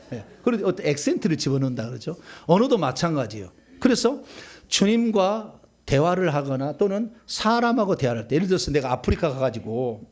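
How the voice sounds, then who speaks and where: A Korean man, a pastor, teaching a charismatic prayer meeting with animated, emphatic, folksy explanations. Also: mid-range voice, slightly rough. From South Korea.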